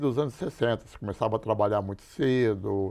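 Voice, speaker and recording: A man at a fairly quick pace. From Brazil, rural São Paulo state. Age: 60s. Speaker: pharmacy business owner. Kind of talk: podcast interview. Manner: halting, many false starts.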